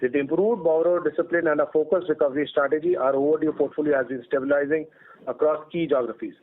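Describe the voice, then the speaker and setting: A man with an Indian accent reads prepared company results in a formal, measured way as an executive presenting on a conference call. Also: on the high side, steady tone. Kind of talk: scripted corporate presentation read aloud. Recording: phone-like narrowband conference call line.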